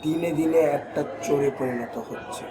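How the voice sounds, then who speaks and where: A man's voice: fairly high pitch, moderate pace, close to an everyday voice. An actor playing an angry man who accuses a relative of stealing his money. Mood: aggrieved. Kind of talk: TV drama acting. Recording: loud background noise.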